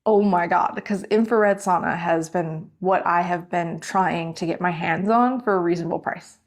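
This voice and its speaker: A woman's voice: fairly low pitch, normal speed. A woman in her thirties, telling a long story to camera in a rambling, chatty way, often yawning. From Canada. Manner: rambling and chatty, full of "like" and self-corrections. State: yawning, has an ear infection. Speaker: vlogger. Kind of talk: casual storytelling vlog.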